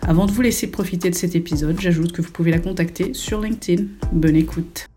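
A woman's voice: fairly low pitch, fairly quick. Chatty woman podcast host over music. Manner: chatty, playful, mixes in English words. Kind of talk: casual podcast interview.

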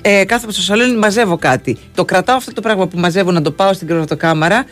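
A man co-hosting casual sports radio banter, joking and often repeating words in quick bursts. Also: high-pitched, fairly bright tone, faint music behind. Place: radio studio.

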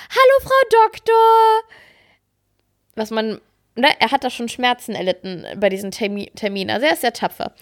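A woman co-hosting a podcast, chatting casually and telling stories in a lively, self-mocking way. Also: on the high side. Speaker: podcast co-host. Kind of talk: casual chat.

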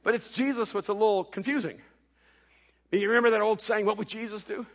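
A middle-aged pastor from El Salvador, Spanish his first language, preaching a sermon that swings from loud declaring to hushed quiet on a stage microphone. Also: sits high, fairly even intonation, fast, creaky. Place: large church hall.

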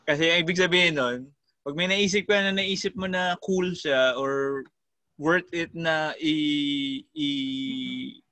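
Bright-voiced man, casual host. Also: on the high side, fairly even intonation, slow, no room sound. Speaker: podcast host. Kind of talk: casual conversational interview.

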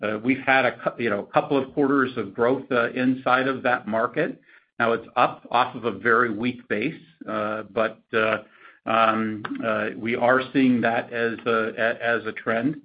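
Man, company executive, earnings call answers, measured and halting, medium pitch, muffled lo-fi audio. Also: fairly even intonation. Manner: halting, hedged, measured delivery.

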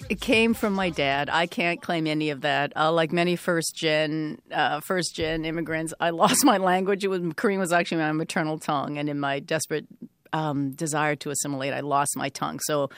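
A woman's voice: sits low, steady tone, a little fast, smooth, no room sound, studio quality. A woman in her fifties, from Canada, speaking as a guest in a radio interview, candid and earnest, reflecting with frequent ums. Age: 50s. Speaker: guest, author.

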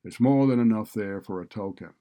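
A man voicing a callous, sarcastic male college dean in a story, loud and exasperated. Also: lowish voice, a little fast, natural voice. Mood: grudging. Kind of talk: audiobook character dialogue.

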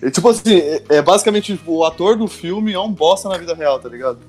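A man's voice: sits high, animated, quick pace, darkish tone. A man telling things casually and slangily on a podcast panel. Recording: light music behind the voice.

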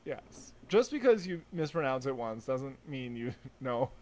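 Her voice is very deep and slightly dark, with a sing-song quality and an unhurried pace. This young woman co-hosts a podcast, telling stories in casual chat punctuated by lots of laughter.

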